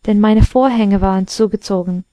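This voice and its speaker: A woman's voice: mid-range voice, moderate pace, warm tone, no room sound, close to an everyday voice. A woman voicing a talking bed that exclaims in a storybook reading. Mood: startled.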